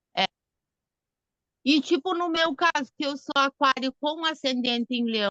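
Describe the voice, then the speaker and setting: With a southern Brazilian accent, a raised, projected voice with a bright, sharp tone moves at a fairly slow pace with long, frequent pauses, recorded dry and close with no echo. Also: woman, high pitch for a woman, ordinary pitch variation. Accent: noticeable southern Brazilian. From southern Brazil, Rio Grande do Sul. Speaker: study group participant. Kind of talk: casual question in group discussion. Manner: halting.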